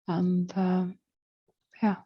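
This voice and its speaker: A woman, a career counselor presenting in a webinar, speaking hesitantly with many pauses and restarts. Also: on the low side, completely flat delivery, no echo, lo-fi sound. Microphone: video call.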